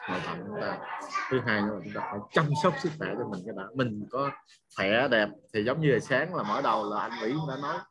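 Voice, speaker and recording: A man in his forties, a business trainer, talking casually on a video call from home, rambling and laughing as he asks his listeners questions. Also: mid-range voice. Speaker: business trainer hosting a morning Zoom session. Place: home room with guests over. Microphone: webcam microphone on a video call. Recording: loud crowd chatter behind the voice. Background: noisy party crowd in the house.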